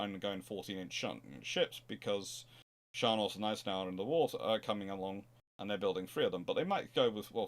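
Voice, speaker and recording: Low-pitched man thinking aloud. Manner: rambling, halting, thinking aloud. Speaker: host answering audience questions. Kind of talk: live unscripted explanatory history talk.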